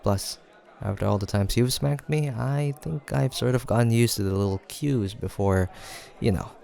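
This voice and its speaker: A man acting a playful, creaky-voiced teasing guy friend. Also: medium pitch, moderate pace, dark tone, natural voice. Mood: flirty, confident. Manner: playful teasing, frequent chuckles, casual banter. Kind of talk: improvised audio roleplay addressed to the listener.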